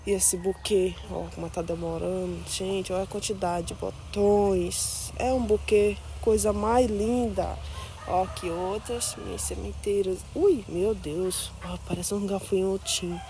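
Doting, mellow-voiced woman gardener. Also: medium pitch, steady tone, unhurried, a little hiss or hum. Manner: chatty and doting, coos over plants with diminutives. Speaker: plant vlogger. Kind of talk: casual garden tour. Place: outdoor garden. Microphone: phone held while filming.

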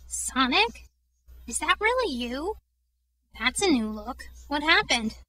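A woman's voice: high-pitched, big pitch swings, slow, bright, forceful tone, full character voice, poor audio. A woman voicing an earnest, brainy, plucky little boy fox in a boyish manner, as a video game character audition. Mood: concerned.

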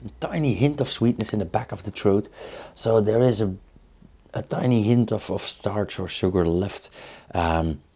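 Belgian man in his thirties, Dutch first language, unhurried beer reviewer with a low, gravelly voice. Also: mellow. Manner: slow, thoughtful, with many fillers. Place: small indoor studio with beer signs.

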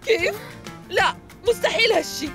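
A woman with a Syrian accent voicing a fussy, excitable middle-aged mother and aunt in a dubbed TV drama, talking fast and exclaiming a lot. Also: extremely high pitch. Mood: panicked. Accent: Syrian Arabic. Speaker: dubbing actor. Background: music score.

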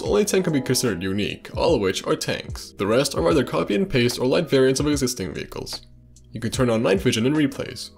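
A man's voice: mid-range voice, creaky, a little mellow. A man reading scripted narration for a video game trivia video.

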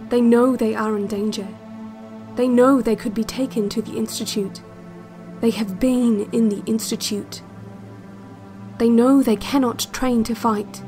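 In an audio drama, a woman with a fairly high voice plays the calm, controlling narrator of an institute's relaxation cassette. Her scripted guided-meditation narration is measured and hypnotic.

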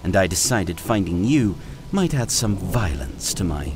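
A cruel sand dragon queen who hisses and sneers at her captives, as a deep-voiced man reads her. She speaks slowly and coldly, pitched up from his low register. Soft music plays faintly behind the storybook reading. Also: big pitch swings, rough recording. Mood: scheming. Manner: hissing, scornful and cold.

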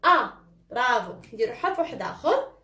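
Moroccan woman, children's teacher, high and lively, encouraging, echoey room. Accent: Moroccan Arabic. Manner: encouraging, drawn-out repeated syllables. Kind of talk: children's phonics lesson.

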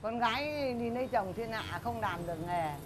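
An elderly woman with a Bac Ninh countryside accent, telling stories of her craft family in a plain, unhurried interview manner. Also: on the high side, animated. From Dai Bai village, Bac Ninh, northern Vietnam. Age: older. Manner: plain storytelling, recites an old saying. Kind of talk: casual interview. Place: her home on a busy shopping street. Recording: noisy street background.

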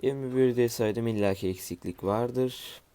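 A man's voice: medium pitch, moderate pace, warm tone, slight background noise. A man giving casual let's-play commentary at home, just woken up and groggy, muttering to himself while he builds and tossing asides to viewers. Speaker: gamer streaming his play.

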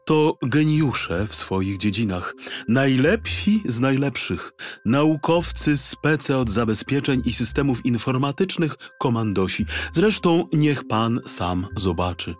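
A man's voice: mid-range voice, close to an everyday voice. A man voicing a courteous, assured female polar bear president in a children's audiobook.

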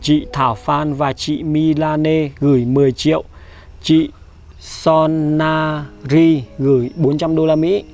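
A man hosting a vlog, briskly reading out a list of donors and coaxing and reassuring the person he is helping. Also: on the high side, flat delivery, a little mellow. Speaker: vlog host handing out charity money. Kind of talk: reading a donor list, then casual talk. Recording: light background music.

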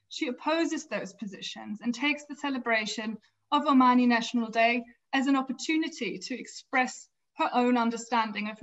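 A woman giving an academic lecture from a home office over a video call, reading prepared text in a measured way with small restarts. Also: on the high side, a bit bright. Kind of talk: academic lecture read from slides. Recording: slightly dull lo-fi video call audio.

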